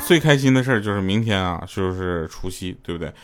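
A man's voice: low voice, lively intonation, quick pace, faint music behind. A man, casually telling jokes and funny stories to his audience, laughing often and acting out dialogue in raised voices. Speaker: livestream host telling jokes. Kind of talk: casual comic storytelling. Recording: loud background noise with clicks.

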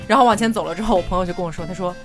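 A young woman from Chongqing with a Southwestern Mandarin accent, hosting a casual podcast chat and telling stories with lively laughter. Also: lowish voice, rapid-fire, over music. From Chongqing, China. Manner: animated storyteller, laughs often, acts out dialogue. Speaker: podcast host.

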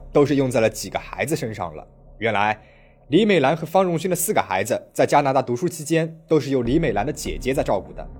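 A man's voice: medium pitch, darkish tone, breathy edge. A man narrating a true-crime story from a script, telling it dramatically with rising emphasis.

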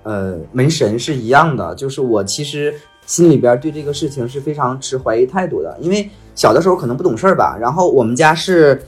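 A man's voice: mid-range voice, lively intonation, a little fast, hardly any pauses, husky, faint music behind. A man from Northeast China talking earnestly on a podcast, often stumbling and restarting. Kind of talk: casual podcast chat.

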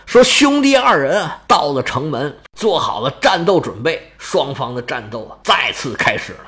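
A man retelling an epic as a lively, colloquial story, dramatic and playful, slipping into character voices. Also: fairly high pitch, moderate pace.

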